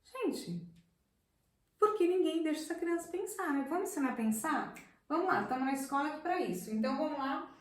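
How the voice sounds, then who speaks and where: A woman teacher telling a classroom story to viewers, animated and talking to them directly. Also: high-pitched, a little fast. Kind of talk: educational video talk. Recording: echoey room, voice from a distance.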